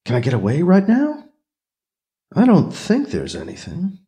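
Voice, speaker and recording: A man's voice: sits high, huge pitch swings, unhurried, mellow, voice pushed up, exaggerated voice. A man voicing a suspicious, sarcastic male Catholic priest with a wary, sardonic, terse way of talking, in a science fiction audiobook. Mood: wary, muttering.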